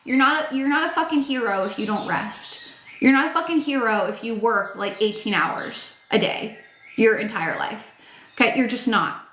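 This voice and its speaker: A woman's voice: a little high, normal speed, fairly bright tone, reverberant, slight background noise. A woman in her thirties giving a casual tarot reading, talking frankly with lots of filler words, her voice tired and starting to crack. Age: 30s. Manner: frank, chatty, swears, lots of "like" and "um". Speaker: tarot reader.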